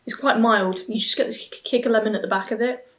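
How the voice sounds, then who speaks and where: A woman's voice: fairly high pitch, fairly even intonation, fast. A woman in her twenties giving a casual review to camera, musing and often restarting her thoughts. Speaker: beer and snack reviewer. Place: small plain room at home, seated at a table.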